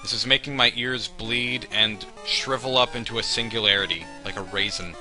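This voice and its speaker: A man's voice: on the low side, fairly even intonation, normal speed, music in the background, rough recording. A man giving humorous commentary on a video game in a wry, sarcastic manner with exaggerated reactions. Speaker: let's play host.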